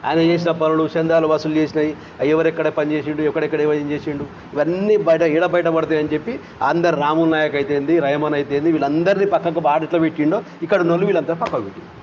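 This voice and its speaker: Very rapid rambling man. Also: on the high side, steady tone, darkish tone, lo-fi sound, slight background noise. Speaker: interviewee, movement activist. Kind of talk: heated complaint in interview.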